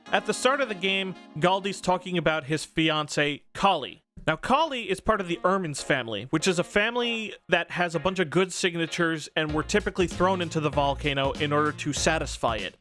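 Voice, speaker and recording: A man with a high, lively voice delivers casual scripted game commentary. His pitch swings widely and his manner is irreverent and informal, with swearing. Soft music plays behind him. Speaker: video game reviewer. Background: background music.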